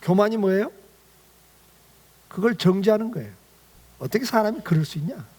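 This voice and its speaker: A man with a notably high-pitched voice delivers a Sunday sermon in a church. He preaches to the congregation directly, firing off rhetorical questions and answering them himself. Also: expressive, normal speed, a little mellow. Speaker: pastor. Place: church sanctuary.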